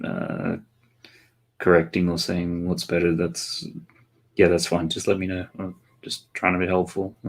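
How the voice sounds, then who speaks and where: With an Australian accent, a man with a very deep, low pitch speaks at a fairly slow pace in a flat monotone, leaving long, frequent pauses. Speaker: live artist and streamer. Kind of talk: casual livestream chat while drawing. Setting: livestream.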